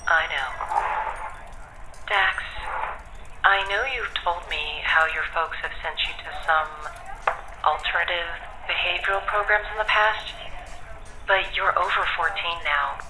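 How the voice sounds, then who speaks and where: A woman playing a composed, caring school counselor in an audio drama, measured and diplomatic, firm but dry. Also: on the low side, pushed and bright, a little hiss or hum, rough recording. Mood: gentle.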